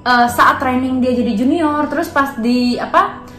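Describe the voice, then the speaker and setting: Female vlog host in her 20s, high pitch, roomy echo, walks viewers through it. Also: unhurried, a bit bright. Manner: explains step by step, speaks to viewers. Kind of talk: casual chat. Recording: echoey room with music behind.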